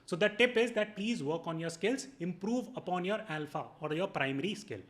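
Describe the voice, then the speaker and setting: A man's voice: sits high, moderate pace. A man with a North Indian accent, hosting an explanatory monologue for viewers in a didactic, emphatic way, laying out numbered points. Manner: didactic, emphatic, mixes in Hindi phrases. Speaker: video host and educator.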